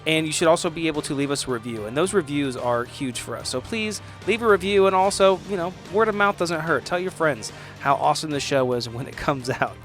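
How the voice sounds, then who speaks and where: A man's voice: on the high side, lively intonation, fairly quick, few pauses, fairly bright tone, faint music behind. A man hosting a podcast, casually thanking and addressing listeners. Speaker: podcast host and player.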